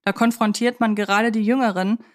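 A woman's voice: mid-range voice, fairly even intonation, brisk. A woman co-hosting a film analysis podcast, talking conversationally in a reflective, articulate way. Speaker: podcast co-host.

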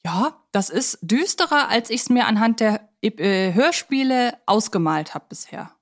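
A woman's voice: a little high, lively intonation, unhurried. Conversational woman co-hosting a podcast. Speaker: podcast co-host. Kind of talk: casual film discussion.

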